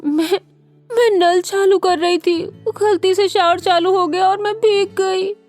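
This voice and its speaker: A woman's voice: high voice, moderate pace, darkish tone, faint music behind, voice pushed up, natural voice. Woman doing a bratty, childish young bride. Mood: whiny. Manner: bratty, whiny, teasing.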